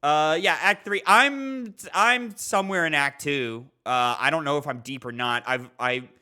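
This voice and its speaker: A man co-hosting a gaming podcast, chatting casually and telling things in an animated way. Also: a little high, unhurried. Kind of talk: casual chat.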